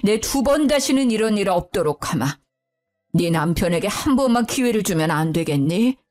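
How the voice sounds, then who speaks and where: A woman's voice: medium pitch, animated, normal speed, darkish tone, soft background music, natural voice. Woman doing a stern older father-in-law. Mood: pleading.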